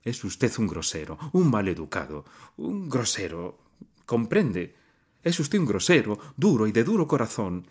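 A man's voice: fairly low pitch, big pitch swings, a little slow, a little mellow, breathy edge, exaggerated voice. A man reading aloud and voicing an angry young male student who confronts his father in heated, impassioned outbursts. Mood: furious.

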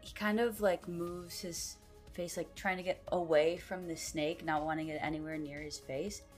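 A woman game master narrating a tabletop game in a relaxed, descriptive way. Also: fairly low pitch, moderate pace, faint music behind.

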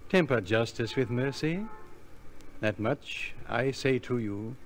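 An actor playing an earnest, cryptic skid row philosopher in old radio style, with formal, preachy, halting speech. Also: male voice, medium pitch, close to an everyday voice. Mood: earnest warning. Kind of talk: old-time radio acting. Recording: old radio recording, faint noise.

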